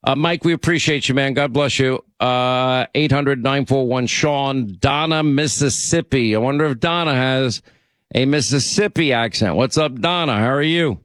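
Chatty New radio host. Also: male voice, medium pitch, moderate pace, fairly bright tone, no echo. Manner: chatty, rambling, self-interrupting. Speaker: radio talk show host. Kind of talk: casual call-in radio chat.

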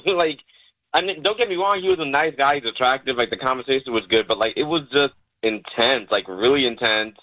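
Man called on air, bright edgy voice over phone, frank, casual, filler-heavy. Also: medium pitch, a little fast, poor audio. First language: not Spanish. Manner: blunt, casual, lots of fillers. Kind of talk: phone conversation.

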